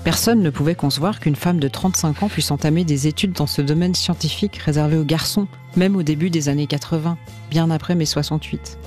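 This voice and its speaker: A woman radio reporter narrating a scripted portrait in a calm, measured storytelling manner. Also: low voice, faint music behind.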